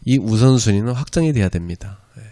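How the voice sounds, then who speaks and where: A man's voice: fairly low pitch, lively intonation, fast, dark tone. A man preaching a sermon lecture at a church, speaking conversationally and often checking in with the audience. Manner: conversational, frequent "예" and "그죠?" asides to the audience. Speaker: pastor teaching an evangelism school.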